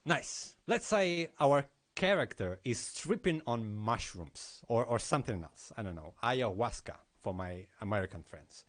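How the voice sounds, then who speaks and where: A man speaking at a conference, giving a technical lesson with explanatory commentary on live demos. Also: medium pitch.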